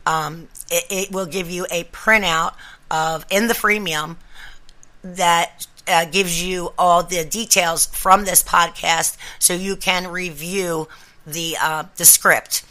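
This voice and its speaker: Slow-paced woman podcaster with a bright voice. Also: lowish voice. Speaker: podcast host. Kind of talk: casual podcast talk addressed to listeners.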